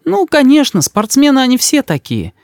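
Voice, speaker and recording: Man playing an anxious mother, pleading, high lively voice, dry sound. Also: moderate pace, no echo, exaggerated voice. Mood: agreeing. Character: anxious, tearful young mother.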